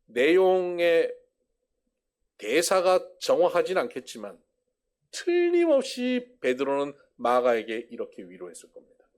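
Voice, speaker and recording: A man's voice: a little high, huge pitch swings, a little slow, a little mellow. A male pastor giving a sermon as a vivid story, acting out the dialogue himself.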